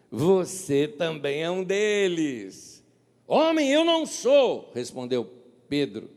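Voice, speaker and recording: A man's voice: on the high side, darkish tone. A man preaching a sermon with a Brazilian Portuguese accent, dramatically acting out the lines he quotes. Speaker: pastor.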